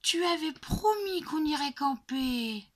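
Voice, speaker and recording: A woman voicing a sulky, tearful little girl with shrill, whiny outbursts. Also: measured pace. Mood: grumpy.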